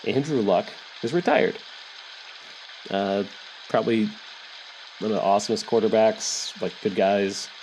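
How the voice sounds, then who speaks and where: A man's voice: on the low side, a little hiss or hum, rough recording. A man hosting a podcast, thinking aloud in a casual, rambling monologue about game picks and often correcting himself mid-sentence. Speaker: podcast host. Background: soft rain sounds.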